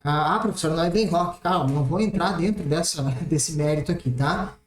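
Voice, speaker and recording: High-voiced math teacher. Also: male voice, brisk. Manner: explanatory, checks in constantly with "tá?". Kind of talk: recorded exam-prep lesson. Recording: roomy echoey room.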